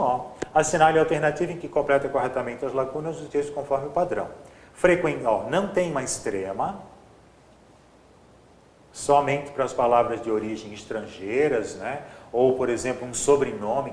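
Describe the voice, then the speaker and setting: A man teaches an exam-prep grammar class, walking through each answer step by step. His pitch swings widely as he stresses each point. He sounds like he is in a roomy, echoing space with a faint hum of ambience behind him. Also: darkish tone. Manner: explains step by step, often adds "ó" and "tá?".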